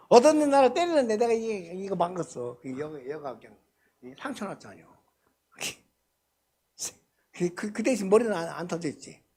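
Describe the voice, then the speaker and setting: An older man preaching a sermon as pastor at a church prayer meeting, speaking in a colloquial way that swings between loud emphasis and soft asides. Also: high voice, slightly rough. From Korea.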